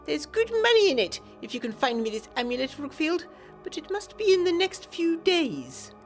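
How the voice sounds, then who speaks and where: A man's voice: very high-pitched, wildly swooping pitch, moderate pace, soft background music, pitched above the performer's own voice, exaggerated voice. A woman voicing a menacing, haughty older lord in a period audio drama, with clipped threats and formal old-fashioned speech. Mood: urgent.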